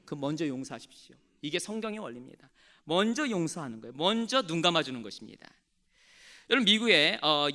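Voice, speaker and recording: A man's voice: a little high, pushed and bright. A male pastor delivering a sermon, telling stories with animation and calling on the congregation to respond.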